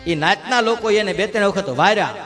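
High-voiced storyteller. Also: male voice, brisk, music in the background. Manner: lively, dramatic storytelling with voiced quotes. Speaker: religious storyteller. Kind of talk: devotional story sermon.

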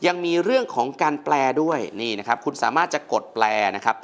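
Animated male tech reviewer. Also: fairly high pitch, quick pace. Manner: animated, exclaims often, addresses viewers directly. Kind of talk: casual product review.

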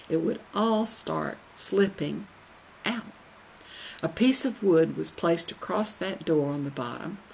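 An older woman from the American South with a softened Southern accent, telling folksy history stories to camera with careful, crisp word endings. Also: deep voice, slight background noise, low-quality recording. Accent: Southern American, softened by radio speech training. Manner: slow, careful endings, gently humorous. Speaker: presenter. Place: wood-panelled room indoors. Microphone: webcam on a video call.

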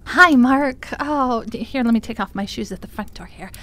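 A woman's voice: fairly high pitch, normal speed, pushed and bright. A woman acting in an improvised radio drama as an eager, insecure small-town baker, chatty and apologetic.

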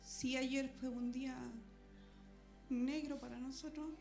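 A woman quietly and earnestly recounts her experience at a church meeting. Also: high-pitched, fairly even intonation, slow, soft background music. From Chile. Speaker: church member giving testimony. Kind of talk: personal church testimony.

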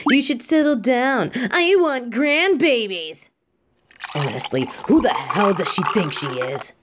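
Audio roleplay: actress as female crime boss, short-fused and sardonic with a soft side, measured pace, very expressive pitch. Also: noisy background. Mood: annoyed, threatening. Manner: dry, threatening, sarcastic, dramatic sighs. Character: hot-tempered, sarcastic female mafia boss with a soft side. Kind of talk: scripted audio roleplay acting.

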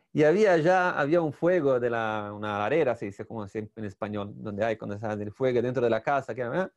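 A man whose first language is Portuguese, a rabbi teaching a storytelling lesson over a video call, who talks haltingly and searches for Spanish words. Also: medium pitch, dull audio.

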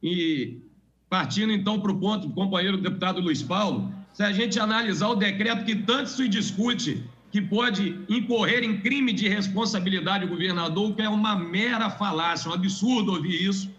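A man's voice: high-pitched, moderate pace, fairly bright tone, lo-fi sound. A man giving an emphatic, formal parliamentary speech as a state legislator in a legislative chamber, repeating points for weight.

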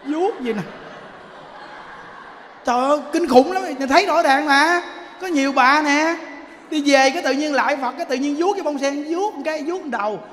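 A male Buddhist monk, giving a sermon through lively, laughing storytelling and acting out the people in it. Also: very high-pitched, moderate pace, long pauses, long reverb tail, slight background noise.

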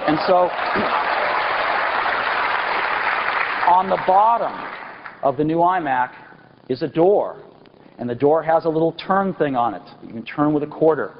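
Enthusiastic man presenting on a stage. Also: a little high. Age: 40s. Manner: enthusiastic, emphatic, pausing for effect. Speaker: company executive presenting a product keynote. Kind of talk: product launch keynote. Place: large auditorium stage. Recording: dull lo-fi 1999 event recording with faint hiss.

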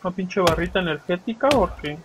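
A young man with a Mexican Spanish accent and a fairly high voice runs loose, swearing commentary over his gameplay. He jokes freely and keeps talking straight to his viewers. A faint hum of noise sits behind him. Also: expressive, a little fast. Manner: profane, joking, talks to viewers while playing. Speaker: gaming channel host. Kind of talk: casual let's play commentary.

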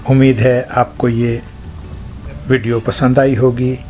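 A man hosting a gardening channel, explaining plant care in short, halting phrases while showing things by hand. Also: medium pitch, little pitch movement, dark tone, soft background music. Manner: shows things hands-on while talking.

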